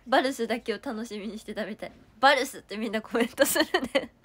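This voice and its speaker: High-voiced young woman, Kansai accent, coughing. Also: fast talker. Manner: reads viewer comments aloud and thanks them. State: coughing, throat sore. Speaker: idol livestreamer. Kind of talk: casual livestream chat.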